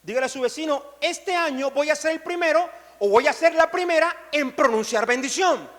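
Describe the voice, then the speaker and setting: High-voiced pastor preaching in a reverberant hall. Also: male voice, normal speed, a bit bright. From Colombia. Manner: call-and-response, urging the congregation to repeat phrases. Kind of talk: sermon. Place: large church hall.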